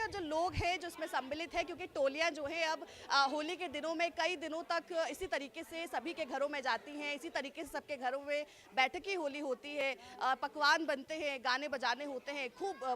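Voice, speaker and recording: A woman's voice: high-pitched, steady tone, normal speed, hardly any pauses, bright, forceful tone. A woman field reporter giving a live news report outdoors at a festival gathering, speaking fluently with frequent fillers.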